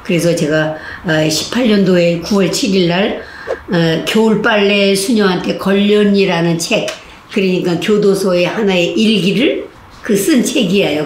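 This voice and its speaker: An older woman, a Catholic nun, telling stories, acting out the voices of the people in them. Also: moderate pace. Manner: animated, acts out voices of inmates and guards with big pitch jumps. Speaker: Catholic nun giving a laughter-therapy talk. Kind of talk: lively storytelling lecture. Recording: echoey hall with faint noise.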